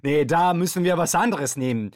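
An actor playing an excitable, euphoric Yugoslav male radio host with a theatrical, rambling way of moderating a live show. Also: on the high side, normal speed, natural voice. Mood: flustered. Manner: theatrical, rambling, exuberant, switching from hushed to shouting. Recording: music behind the voice. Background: music.

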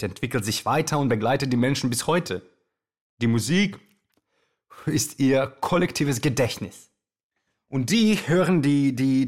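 An actor playing a musing male radio show host with a halting, deliberate delivery, in a monologue. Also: mid-range voice, natural voice.

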